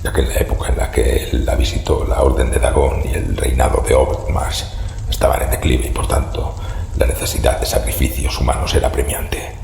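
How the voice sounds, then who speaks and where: Un actor que interpreta a un hombre mayor, siniestro y cortés, de linaje maldito, con voz rasposa y tono solemne en una audioserie de terror. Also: male voice, rumbling low, flat delivery, darkish tone, exaggerated voice. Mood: grave, ominous. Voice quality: gravelly, rasping, breathy. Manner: slow, formal, ominous storytelling. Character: sinister older man descended from cursed fish-like cultists, grave, courteous. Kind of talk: horror audio drama acting. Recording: echoey reverberant room, faint noise.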